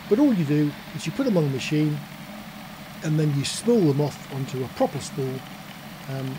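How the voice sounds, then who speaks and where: A man's voice: fairly high pitch, background noise. A man giving a casual explainer as a presenter, talking in a matter-of-fact, conversational way, step by step. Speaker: presenter of an audio gear channel.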